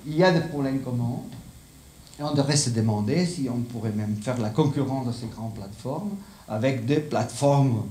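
Before a seated audience in an indoor lecture room, a middle-aged conference speaker with a Spanish accent lectures live in French, a foreign language for him, hesitantly searching for words. His voice is dark and medium-pitched, his pace moderate. He speaks into a handheld microphone, and the room is echoey with slight background noise.

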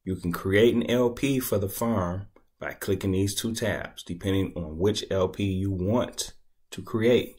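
A man with a very deep, low voice walks through a screen-recorded tutorial at an easy, unhurried pace. He sounds laid-back and conversational, thinking aloud as he clicks through each step at his desk. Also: a little mellow, husky. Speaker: crypto tutorial creator.

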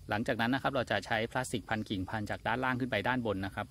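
A man in his thirties giving a polite, steady gardening demonstration outdoors at a plant nursery. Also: medium pitch, very fast. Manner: polite, steady instructional delivery. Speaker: farm channel host.

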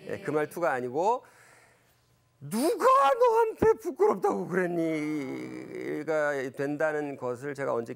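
A man in his fifties gives a church lecture, his voice gravelly and edged with fry. His pitch swings widely as he acts out the quoted lines in a lively way. He fills the gaps with hesitations and corrects himself as he goes. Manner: frequent fillers and self-corrections. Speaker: Christian lecturer. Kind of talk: church lecture with Bible storytelling.

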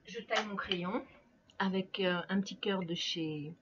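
A woman's voice: mid-range voice, a little slow. A tired middle-aged woman chatting casually to her viewers while doing her makeup, laughing often and talking to them directly. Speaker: beauty vlogger. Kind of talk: casual makeup chat to camera. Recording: slightly dull home recording with faint noise.

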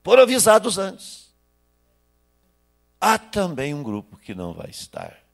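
A man in his sixties from Brazil, preaching a sermon into a handheld microphone in a small church hall, swinging between loud bursts and hushed asides. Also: sits high, wildly swooping pitch, a little slow, vocal fry. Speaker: pastor.

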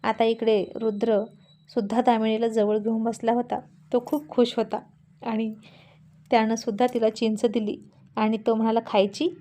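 A woman reads a serialized family story aloud in an expressive, lively way. Her voice is fairly high yet warm and mellow. She carries the story along with clear, expressive storytelling. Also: normal speed.

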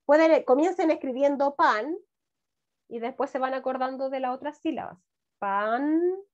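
A woman teaching a first-grade class online with a Chilean Spanish accent, dictating words slowly by syllables and coaxing the children along. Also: high voice. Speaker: primary school teacher. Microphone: laptop mic on a video call. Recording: dull lo-fi video call audio.

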